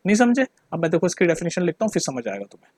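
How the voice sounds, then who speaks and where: Brief: male tutor, high and husky voice, chatty, keeps asking if you follow. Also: big pitch swings, rapid-fire, a little mellow, no echo. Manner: chatty, keeps checking the listener understands; mixes Hindi with English terms. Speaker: teacher. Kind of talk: casual classroom explanation.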